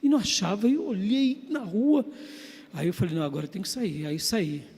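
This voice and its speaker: A man preaching a sermon, telling a story and moving between loud emphasis and hushed asides. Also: high voice, lively intonation, a little fast, slightly rough. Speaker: pastor. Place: church sanctuary. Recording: long church-hall reverb.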